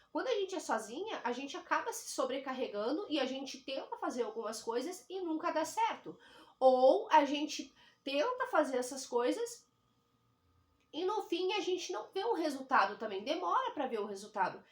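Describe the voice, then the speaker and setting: A woman's voice: high voice, very animated, moderate pace. Chatty southern Brazilian woman, frank. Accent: southern Brazilian Portuguese. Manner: chatty, frank, uses many fillers. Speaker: vlogger, single mother. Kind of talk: casual chat to camera.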